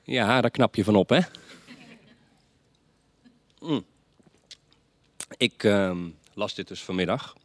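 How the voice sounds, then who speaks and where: A man reading stories aloud at a reading night, measured, chatting lightly between pieces. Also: on the low side, slight background noise.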